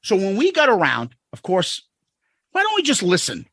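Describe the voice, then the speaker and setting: A man from Boston co-hosts a casual podcast, talking in an excitable, animated way and swearing now and then. His voice sits high for a man. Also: normal speed, no room sound, clean studio sound. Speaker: podcast co-host.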